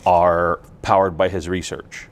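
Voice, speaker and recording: Speaking in a deep, level voice, a Russian-speaking man from Ukraine answers interview questions informally. He explains blockchain technology haltingly, with lots of fillers and restarts.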